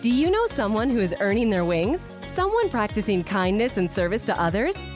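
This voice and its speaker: A woman's voice: medium pitch, sing-song, a little fast. A woman announcer reading scripted promotional narration for a show. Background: music.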